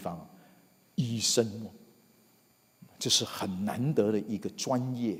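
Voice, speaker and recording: A man with a fairly low pitch sounds animated and leaves long, frequent pauses. Audible room echo surrounds his voice. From Malaysia, Sarawak. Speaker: pastor. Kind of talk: sermon.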